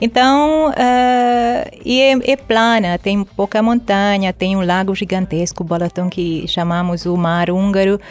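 With a Hungarian accent, a woman speaks at a very slow pace, using a medium pitch and ordinary pitch variation. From Transylvania, Romania (Hungarian minority), then Hungary. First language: Hungarian (speaking Portuguese). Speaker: entrepreneur. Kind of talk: casual interview chat.

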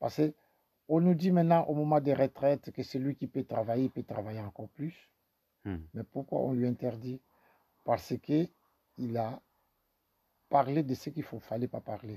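The speech has long, frequent pauses and ordinary pitch variation. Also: man, medium pitch for a man, moderate pace. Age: 60s. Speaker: shelter resident. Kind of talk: interview.

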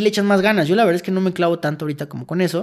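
A man's high-pitched voice with a Mexican accent and ordinary pitch variation, in a very clean recording with a silent background. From central Mexico (Querétaro). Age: 30s. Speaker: marketing professional. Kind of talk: casual chat.

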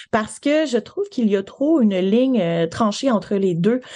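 A woman with a strong Quebec accent, fairly high pitch, dark and mellow tone, lively intonation and fairly slow pace, against a quiet background. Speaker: entrepreneur and podcaster. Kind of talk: interview.

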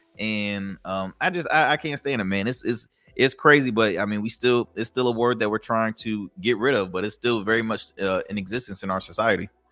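A loud man with an American accent speaks fairly quickly with hardly any pauses, his tone bright and sharp, his pitch variation ordinary, in a dry, close sound with no echo. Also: medium pitch for a man, very clean recording, silent background. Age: 20s. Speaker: podcast host and business founder. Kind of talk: casual interview conversation. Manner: loud, talkative.

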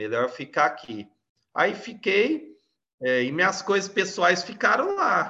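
At a very slow pace, a man uses a raised, projected, high-pitched voice with a bright, sharp tone, very wide pitch swings and very even loudness. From Brazil, Franca (São Paulo state interior). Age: 40s. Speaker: consultant and author. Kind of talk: casual interview chat.

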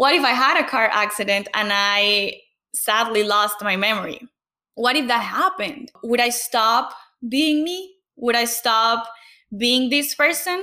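A woman with a non-native accent speaks at a high pitch and a fairly slow pace, her warm, enthusiastic tone carried by lively intonation. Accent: noticeable foreign. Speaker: podcast host. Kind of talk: solo podcast monologue.

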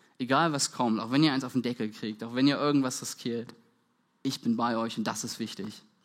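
A man with a medium-pitched voice speaks with fairly even intonation on a very clean recording against a silent background. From Saxony, Germany. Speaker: pastor. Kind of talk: sermon.

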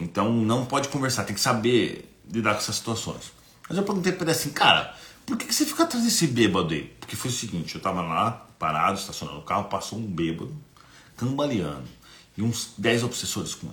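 A man at a medium pitch with very wide pitch swings and a fairly quick pace, plus audible room echo and noticeable background noise. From Brazil, São Paulo. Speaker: spiritist teacher and YouTuber. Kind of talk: livestreamed lecture. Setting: live stream. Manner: casual, colloquial.

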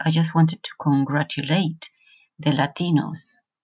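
A woman's very deep, low voice, somewhat breathy, with fairly even intonation at a fairly slow pace. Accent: Spanish. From Colombia. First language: Spanish. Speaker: language teacher. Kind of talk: language lesson.

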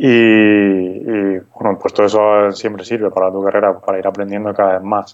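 With a Madrid accent, a man talks at a moderate pace. His pitch is fairly low and his intonation monotone and flat. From Spain, Madrid. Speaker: architect. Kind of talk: interview.

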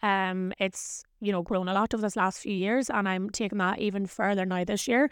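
A woman speaks in a plain, everyday voice at a moderate pace, with hardly any pauses. Her intonation is fairly even, her loudness very even, and the recording very clean, with a silent background. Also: medium pitch for a woman. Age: 30s. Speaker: fitness and mindset coach. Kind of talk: solo podcast monologue.

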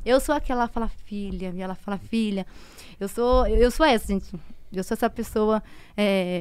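The speaker leaves long, frequent pauses. The recording is very clean, with a silent background. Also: woman, fairly high pitch for a woman, ordinary pitch variation, moderate pace. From São Paulo, Zona Norte. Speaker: social media personality. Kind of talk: podcast interview.

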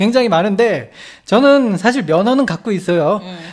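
A man with an animated tone, high pitch, and a fairly quick pace. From South Korea. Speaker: podcast co-host. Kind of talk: casual chat. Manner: animated, laughs often.

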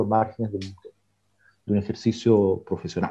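This is a man speaking. He has a Chilean accent. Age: 50s. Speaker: book editor and publisher. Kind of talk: interview conversation.

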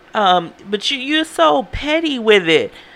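Against noticeable background noise, a woman speaks in an animated tone with lively intonation. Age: 40s. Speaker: podcast co-host. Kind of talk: casual chat.

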